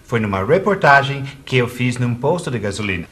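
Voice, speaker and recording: Animated Brazilian man teaching English. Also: medium pitch, a little fast. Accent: Brazilian Portuguese. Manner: didactic, emphatic on examples. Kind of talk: scripted TV lesson. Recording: music bed underneath.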